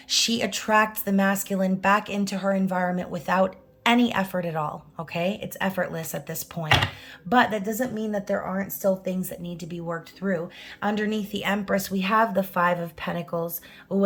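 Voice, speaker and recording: Hoarse, chatty woman reading tarot. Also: mid-range voice. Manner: chatty, frequent "okay?" and "right?" tags, casual swearing. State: hoarse, scratchy voice. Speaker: tarot reader.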